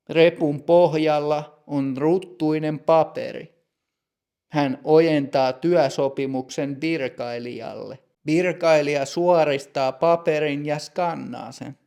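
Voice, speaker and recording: Male narrator for a learner story; measured, gravelly, a little high. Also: fairly even intonation, darkish tone. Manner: clear, measured. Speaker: narrator and language teacher.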